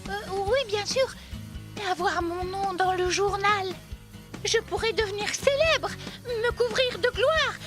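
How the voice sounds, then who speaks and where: A woman's voice: very high-pitched, a little slow, music in the background. A woman voicing a vain, ambitious young female play director in a children's cartoon, with a dramatic, grandiose delivery. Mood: boastful. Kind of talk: French-dubbed children's cartoon acting.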